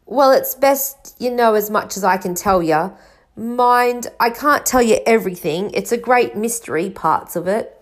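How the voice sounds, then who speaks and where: Woman acting big gruff man, storybook character, kind-hearted, fiery yet anxious, folksy dropped consonants, rambling colloquial talk. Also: mid-range voice, a little slow, natural voice.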